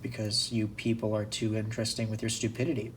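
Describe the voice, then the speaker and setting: A man voicing an ancient male dragon god who speaks in slow, low, lofty pronouncements. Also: monotone, natural voice.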